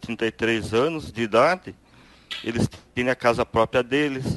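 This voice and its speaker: A man talks at a medium pitch. There is ordinary variation in how his pitch moves. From Curitiba, Brazil. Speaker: business owner. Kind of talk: interview.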